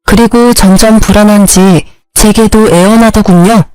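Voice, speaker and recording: A woman's voice: medium pitch, fairly even intonation, normal speed, warm tone, clean tone, no room sound, poor audio. Woman, scripted story narration, matter-of-fact, dry close sound, faint music. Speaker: narrator, the mother.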